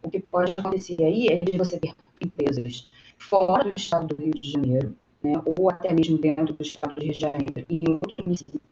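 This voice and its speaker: A man's voice: fairly high pitch, fairly quick, a crowd in the background. A man presenting a study from home over a video call, his audio breaking up and glitching, talking hesitantly with many fillers. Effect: audio breaking up and glitching over a bad connection. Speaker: presenter of a regional economic study. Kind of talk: online meeting presentation. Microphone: headset on a video call. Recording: dull lo-fi call audio with faint noise.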